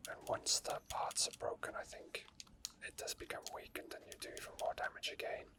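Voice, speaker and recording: This ASMR gaming video host quietly narrates his own gameplay in a whisper, rambling and thinking out loud at an unhurried pace.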